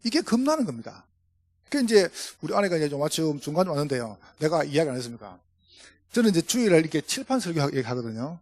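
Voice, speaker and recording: A middle-aged male pastor with a Gyeongsang Korean accent tells jokey stories from the pulpit. His fairly high voice rises and falls a great deal and has a husky edge. The sound is close and dry. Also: fast, no room sound. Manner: storytelling, jokey, animated. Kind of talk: humorous sermon to pastors. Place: church.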